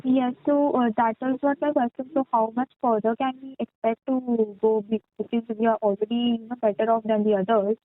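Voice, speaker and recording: A woman calling in over the phone to ask questions on a conference call. Her voice comes through faint and feeble, and she speaks hesitantly with many filler pauses. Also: on the high side, flat delivery, no echo. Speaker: caller asking questions on an earnings call. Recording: tinny dry phone line.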